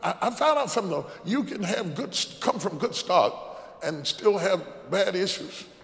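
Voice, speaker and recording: With noticeable background noise, a man talks in an animated tone at a high pitch, his voice making very wide pitch swings. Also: fairly slow pace. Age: 50s. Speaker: pastor. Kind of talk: sermon. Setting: church with congregation.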